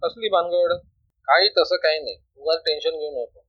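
A man voicing a calm, earnest young male prisoner who reassures his mother, in a storybook reading on a dull lo-fi recording. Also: on the high side, moderate pace, no echo, natural voice. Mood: reassuring.

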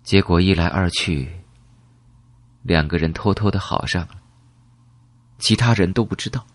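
A man voicing a calm, secretive elderly woman who reminisces in a measured, wistful way in an audiobook. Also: sits low, dry recording. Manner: slow, measured, reminiscing with rhetorical questions.

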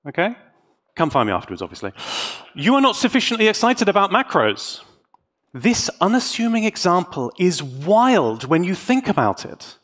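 Man presenting with lively, swooping intonation. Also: a little high. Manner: playful, enthusiastic, rhetorical asides. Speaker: conference speaker and tech YouTuber. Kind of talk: live technical presentation.

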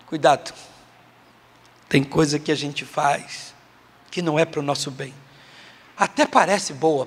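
A man's voice: on the high side, slightly rough. A man with a Brazilian accent preaching a sermon in a church, emphatic and repetitive, acting out little dialogues. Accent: Brazilian Portuguese. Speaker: pastor. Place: large church hall. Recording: long church hall reverb.

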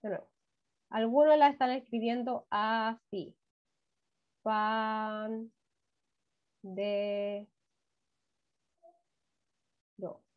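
A woman teaching a first-grade class online with a Chilean Spanish accent, dictating words slowly by syllables and coaxing the children along. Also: fairly high pitch, fairly even intonation, clear, resonant tone. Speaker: primary school teacher. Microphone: laptop mic on a video call. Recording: dull lo-fi video call audio.

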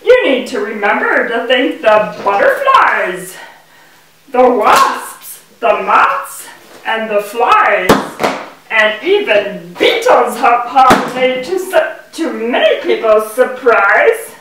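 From across a very echoey room comes a proud little boy bee played by a woman in a children's puppet show. The voice is high and bright, with theatrical, sing-song boasting delivered at an unhurried pace. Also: sing-song, full character voice. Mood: grateful. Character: proud, bubbly talking male mason bee puppet. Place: indoor puppet stage, far from the mic. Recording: echoey room, distant microphone.

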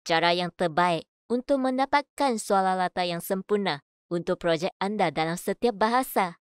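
A woman reading scripted voice-over in a measured, clearly enunciated way. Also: fairly low pitch, no room sound, clean studio sound. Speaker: voice-over artist. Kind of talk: scripted voice-over demo: adverts, narration, announcements.

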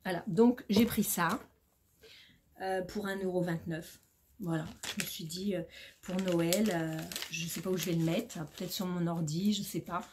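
A woman's voice: lowish voice, steady tone, moderate pace. Chatty middle-aged Frenchwoman, noisy home recording. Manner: chatty, informal, addresses viewers directly. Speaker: shopping haul vlogger. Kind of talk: casual chatty product haul to camera. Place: small room at home, indoors.

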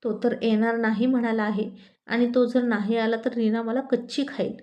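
An anxious young woman scolds herself and worries aloud in a storybook tale, as a woman narrator voices her. The voice is fairly high and fretful. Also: little pitch movement, moderate pace, a little mellow, natural voice.

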